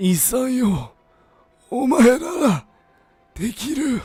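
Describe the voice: A put-on character voice, fairly high in pitch and very slow in pace, over faint background music.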